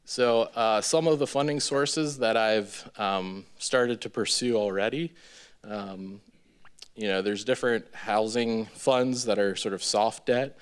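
A man in his thirties giving an informal presentation as a developer, in a halting, hesitant way with many ums. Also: on the low side, clear, resonant tone. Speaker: real estate developer presenting a project. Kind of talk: informal public presentation with slides. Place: large indoor meeting room with seated audience. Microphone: podium gooseneck microphone.

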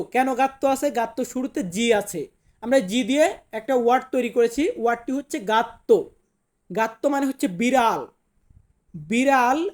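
A man's voice: very high voice, darkish tone. A man teaching a language lesson, repeating each word and asking then answering his own questions. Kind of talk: Italian alphabet lesson in Bengali.

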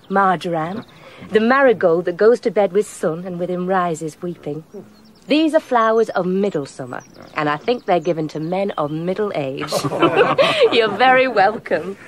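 An actress playing a modest, witty young shepherdess hosting a feast in a radio play. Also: female voice, on the low side, sing-song, a little slow, a little hiss or hum. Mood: gracious.

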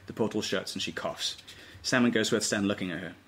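A man's voice: fairly low pitch, brisk, fairly bright tone. A man giving scripted narration, reading stage directions at a table read. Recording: faint room noise.

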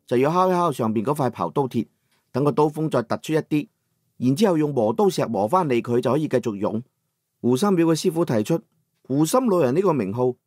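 A man narrating a first-person audiobook novel in a measured storytelling manner, over soft background music. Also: medium pitch, no echo. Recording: dry studio with soft music.

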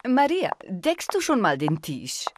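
Lively, unhurried kindly mother. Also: mid-range voice. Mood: friendly, chatty. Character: kindly, inquisitive mother cooking for guest. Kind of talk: German audio drama acting, conversational. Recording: clear background noise with clicks.

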